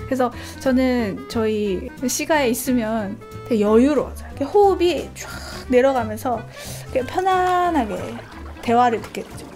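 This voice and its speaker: A woman's voice: fairly high pitch, normal speed, soft background music. A woman in her thirties telling family stories in a casual chat, laughing often and acting out her relatives' talk. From not from Gyeongsang. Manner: lively, laughs often, acts out relatives in mock dialect.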